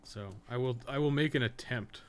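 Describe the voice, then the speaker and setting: A man's voice: medium pitch, normal speed. A man giving casual, rambling live gameplay commentary as a streamer, with some swearing. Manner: casual, profane, rambling asides. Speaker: game streamer and podcast co-host.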